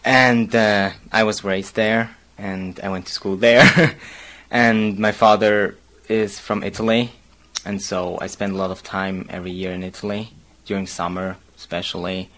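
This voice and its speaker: A young man with a Swiss German accent and a fairly low voice speaks English, his second language after German. He talks in a relaxed, unhurried way, pausing on fillers and breaking into small chuckles as he goes. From Basel, Switzerland. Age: young adult. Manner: chuckles often between phrases; hesitant, frequent pauses and fillers. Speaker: university student. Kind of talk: read passage then casual monologue.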